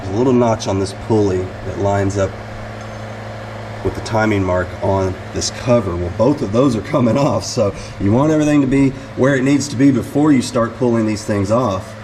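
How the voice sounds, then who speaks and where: A man's voice: fairly low pitch, moderate pace. A middle-aged American man casually explaining a hands-on repair in a folksy, conversational way. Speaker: DIY mechanic vlogger. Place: hot space around a truck, fan running. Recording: loud fan noise behind voice. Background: fan noise.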